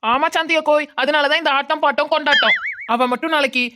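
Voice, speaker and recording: A woman voicing a bold, scheming village girl in a cartoon dub, loud and bossy. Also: high voice, fairly even intonation, fast talker, very noisy, close to an everyday voice. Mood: bossy, cheerful.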